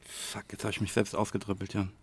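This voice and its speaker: A man co-hosting a podcast in casual chat, thinking aloud in a deliberate way. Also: lowish voice, completely flat delivery, husky. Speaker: podcast co-host.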